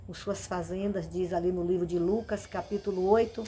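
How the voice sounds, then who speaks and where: A woman's voice: lowish voice, fairly even intonation, moderate pace, dark tone, a little hiss or hum. Brazilian woman pastor preaching emphatically. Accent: Brazilian Portuguese. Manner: emphatic preaching, repeating questions. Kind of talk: sermon.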